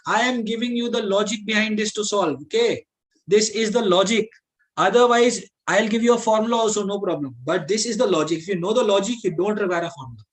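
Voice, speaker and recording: A man's voice: very high-pitched, a bit bright, low-quality recording. South Asian male teacher explaining step by step. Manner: repetitive, checks understanding with questions; mixes English with Hindi. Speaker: aptitude teacher. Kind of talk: classroom lesson, explaining step by step.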